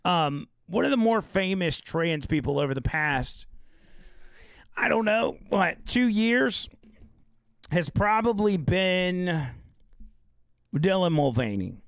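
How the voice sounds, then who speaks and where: A male talk show host with a gravelly, slightly hoarse voice, chatting loosely and reading an ad. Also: fairly high pitch, no echo, clean studio sound. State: losing his voice. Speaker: radio and live-stream show host. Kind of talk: casual live talk show with read ad.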